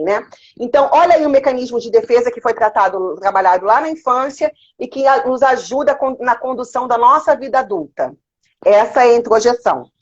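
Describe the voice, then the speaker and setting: Brazilian woman teaching, high-pitched and muffled. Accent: Brazilian Portuguese. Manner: didactic, rhetorical questions, everyday examples. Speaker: psychoanalysis teacher. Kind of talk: explanatory online lesson.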